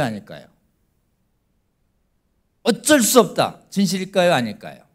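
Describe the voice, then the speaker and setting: A middle-aged man, a lawyer, giving a church lecture who keeps asking the congregation questions and acting out quoted voices, swinging between loud and quiet. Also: mid-range voice. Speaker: lawyer speaking at a church prayer meeting.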